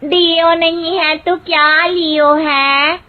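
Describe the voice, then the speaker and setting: A woman plays a naive young village bride in a cartoon, speaking in a high, slow and simple way. She is innocent and literal-minded. The sound is tinny, like a phone line. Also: fairly even intonation.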